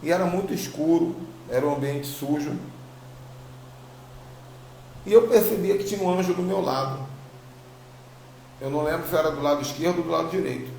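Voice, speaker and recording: Speaking to online followers, a Brazilian apostle and religious teacher recounts his spiritual testimony in an informal, emphatic way full of repetition. He has a slight tongue-tie, and his fairly high, creaky, darkish voice moves fairly quickly between long pauses. An echoey room and faint background noise are audible.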